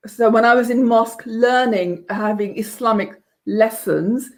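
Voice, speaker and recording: A woman of about fifty tells her life story as an interview guest, in an earnest, measured way. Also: on the high side. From England. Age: around 50. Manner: earnest, measured, with some restarts. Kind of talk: personal testimony in conversation.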